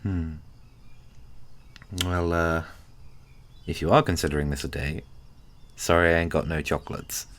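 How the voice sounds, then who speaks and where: A man playing an easygoing, gently teasing giant friend in a casual, hesitant, intimate ASMR roleplay. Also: very deep voice, steady tone. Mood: shy, friendly. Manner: hesitant, chuckling, unhurried casual talk.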